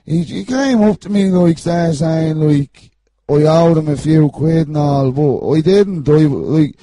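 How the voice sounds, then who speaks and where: A man acting out an Irish small-time chancer with a very soft, dark tone and a slightly high voice. He rambles through a comic interview in street slang, always defensive, evasive and hard done by. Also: unhurried, lightly acted. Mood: cagey, defensive. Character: shifty, petty-criminal Irish chancer, aggrieved and defensive. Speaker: comic character guest on a wrestling podcast.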